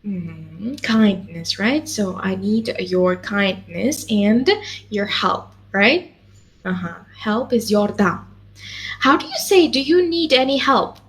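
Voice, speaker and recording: Patient woman tutor, lively and slow. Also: mid-range voice. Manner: patient, encouraging, lots of mm-hmms and checks. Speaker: language teacher. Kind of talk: one-on-one language lesson.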